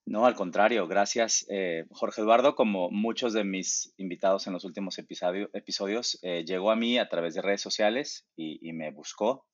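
A man hosting a podcast interview, speaking hesitantly and filling pauses with "eh". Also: low-pitched. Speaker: podcast host. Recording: dull lo-fi with faint music.

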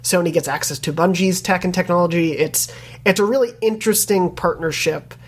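A podcast host at a middle pitch, talking loosely and circling back on their own sentences as they walk through a topic. They lead the panel and hand questions over to co-hosts. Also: fairly quick, slightly rough. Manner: rambling, many restarts, leads questions. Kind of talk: casual panel discussion.

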